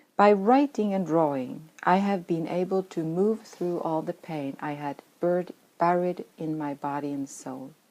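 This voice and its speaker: A woman speaks with a Swedish accent in a dark, mellow tone. The recording is very clean with a silent background. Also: ordinary pitch variation, fairly slow pace. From Sweden. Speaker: author and evangelist. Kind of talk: reading aloud.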